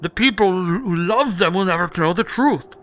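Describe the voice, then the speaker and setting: A man's voice: sits high, animated, normal speed, fairly bright tone. A man voicing laid-back working guys bantering in a mystery game, reading their dialogue aloud in character. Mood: brooding banter.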